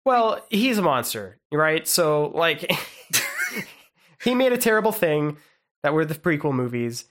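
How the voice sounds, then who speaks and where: A man co-hosting a podcast, chatting casually in a rambling, halting way with lots of "like". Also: a little high, big pitch swings, fairly bright tone. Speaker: podcast co-host. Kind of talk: casual chat.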